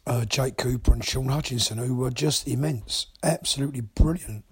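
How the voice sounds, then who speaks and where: Husky man leaving a voice message. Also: mid-range voice, moderate pace. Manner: enthusiastic, thoughtful, with frequent ums. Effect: recorded voice message. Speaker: caller. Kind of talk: casual fan phone-in.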